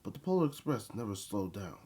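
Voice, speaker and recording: A man reading a children's Christmas story aloud in a halting way, stumbling and repeating phrases, with a husky voice. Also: lowish voice, sing-song, warm tone.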